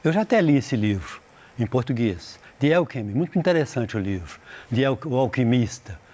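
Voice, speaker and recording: A man teaching an English lesson in Portuguese, reading English passages slowly, translating them, and often restarting his sentences. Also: medium pitch, big pitch swings, mellow. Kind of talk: recorded school lesson.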